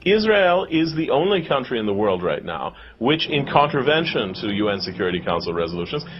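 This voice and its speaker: Brief: animated indignant man, muffled recording, loud street noise. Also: medium pitch. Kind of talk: public speech. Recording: dull sound, outdoor traffic noise.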